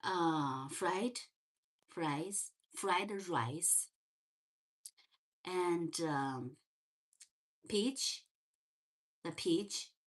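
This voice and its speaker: Woman, Chinese accent, unhurried, gentle livestream host, slightly low voice. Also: animated. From China. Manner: slow and gentle, many fillers and restarts. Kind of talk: casual livestream chat. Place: parents' home.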